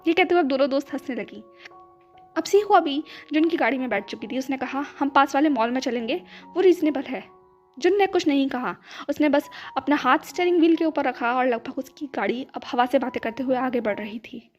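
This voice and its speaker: A woman narrating her own fan fiction story in a flowing, expressive way. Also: sits high, brisk. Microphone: phone recording. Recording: dull lo-fi voice with background music.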